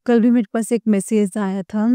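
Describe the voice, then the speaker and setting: A devotee from Uttarakhand, India, earnestly recounts a dream to her congregation in casual spoken testimony, addressing them directly and using many fillers. Her throat is slightly sore. Her medium-pitched voice is mellow and smooth with fairly even intonation at a normal speed, captured in a dry, clean studio recording.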